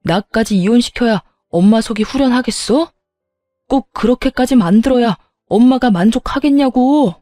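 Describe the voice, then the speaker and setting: A woman's voice: fairly high pitch, normal speed, dark tone, no echo, clean studio sound, faint music behind, natural voice. A woman reading the lines of an exasperated adult son confronting his mother, in a raised voice. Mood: bitter.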